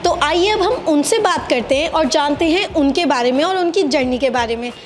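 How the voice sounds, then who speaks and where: A young woman hosting a food show, interviewing guests eagerly and brightly with lots of affirmations. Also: high voice, expressive, moderate pace, slight background noise. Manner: bubbly, eager, full of affirmations. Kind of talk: on-camera interview.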